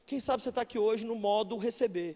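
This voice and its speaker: Very high-voiced Brazilian pastor preaching. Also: male voice, brisk. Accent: Brazilian Portuguese. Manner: emphatic preaching, bursting into shouts then dropping low. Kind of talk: sermon. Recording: long reverb of a large hall.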